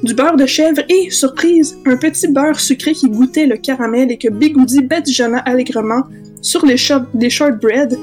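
A woman with a Québécois accent reading a comic parody story with lively long lists. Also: high voice, normal speed, soft background music.

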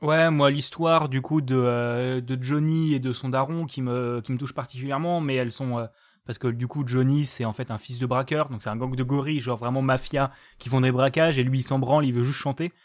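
A man's voice: mid-range voice, steady tone, brisk. A man talking casually on a podcast, rambling and enthusiastic, swearing freely.

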